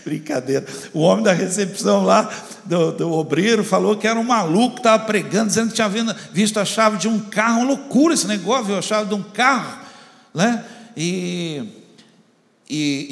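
A pastor telling a story in a sermon, acting out the voices and building up to shouts. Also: male voice, sits high, fairly quick, creaky. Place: church. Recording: long church reverb.

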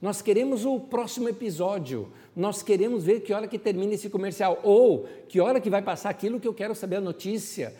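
A male pastor gives a relaxed, conversational sermon, often turning to his listeners with questions. His voice is mellow and warm-toned. It rings with a long reverb, as in a church hall. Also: sits high, fairly quick, few pauses. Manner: reflective, conversational, rhetorical questions.

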